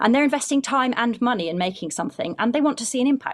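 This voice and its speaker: A woman talks at a very fast pace. She speaks in a British accent. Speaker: podcast producer and business director. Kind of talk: talk presentation with slides.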